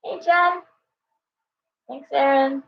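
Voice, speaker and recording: A woman hosting a casual tarot livestream, chatty and hoarse, thanking viewers by name as she reads the cards. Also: high voice, steady tone, slow, recorded from a distance. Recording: dull, roomy livestream audio from off-mic.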